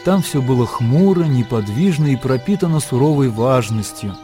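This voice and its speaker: A man narrates a classic novel in a measured, calm voice. Music plays clearly underneath his reading. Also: mid-range voice. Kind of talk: scripted literary narration. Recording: narration over background music.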